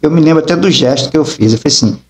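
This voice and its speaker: A man's voice: on the high side, rapid-fire. A middle-aged man, an apostle and preacher, telling his testimony emphatically in an interview and acting out the dialogue. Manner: emphatic storytelling, acts out dialogue.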